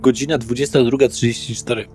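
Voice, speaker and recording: A man's voice: mid-range voice, steady tone, fast, darkish tone, faint music behind. A man acting as game master, narrating and questioning players in a tabletop roleplay session.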